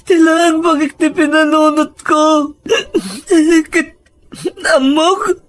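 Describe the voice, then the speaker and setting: A man's voice: very high voice, little pitch movement, slow, a bit bright, heavily acted. A man playing a sorrowful, guilt-ridden younger brother in an audio drama, with tearful, pleading delivery. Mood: anguished, crying. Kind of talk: emotional audio drama acting. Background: background music.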